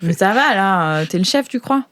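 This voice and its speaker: A woman's voice: medium pitch, expressive, normal speed, a bit bright, no room sound, clean studio sound, natural voice. A woman playing a puzzled, blunt young female influencer in an improvised role-play, with casual slangy speech.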